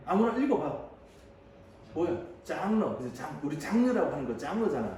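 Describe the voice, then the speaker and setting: A man in his thirties teaching high school English, chatting and joking with his students as he calls on them to read. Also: big pitch swings, a little fast, warm tone, far from the mic. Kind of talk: classroom lecture. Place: classroom. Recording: echoey room, voice off-mic, faint hiss.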